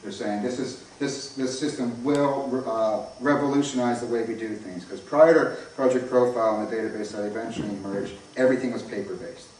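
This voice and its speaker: A distant, very echoey recording with faint noise carries a North American man speaking as an academic presenter. His pitch is average, and he explains in an informal lecture style. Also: brisk, hardly any pauses, a little mellow. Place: echoey indoor lecture room.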